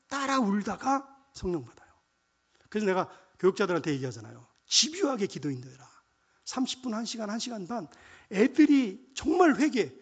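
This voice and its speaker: A middle-aged man preaching a sermon as pastor. He swings from soft asides to loud proclamations, quotes scripture and leads the congregation in call-and-response. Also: sits high, slightly rough.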